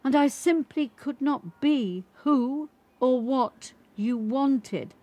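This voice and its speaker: A proud eighteen-year-old trans woman, acted by an older actress, stands up for herself in an audio drama. The voice is lifted in pitch, firm and declamatory, with slow, deliberate phrasing. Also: animated, warm tone, heavily acted. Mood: hurt, defiant. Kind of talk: dramatic monologue, quoted speech.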